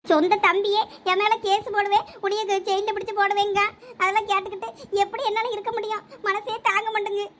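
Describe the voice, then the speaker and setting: A woman playing a defensive, sharp-tongued elder sister in a village comedy skit, speaking with a Thoothukudi Tamil accent and quick retorts. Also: extremely high pitch, little pitch movement, a little hiss or hum. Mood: aggrieved.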